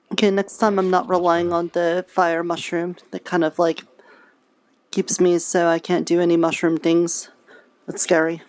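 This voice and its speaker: A woman's voice: on the low side, flat delivery, slow, long pauses, a little mellow. A woman talking casually in character during an online game roleplay, a little hesitant in how she puts things. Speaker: streamer and roleplayer.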